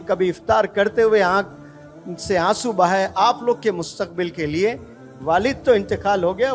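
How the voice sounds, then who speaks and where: Impassioned high-voiced male preacher. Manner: impassioned, exhorting, rhetorical questions. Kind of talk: emotional Islamic sermon.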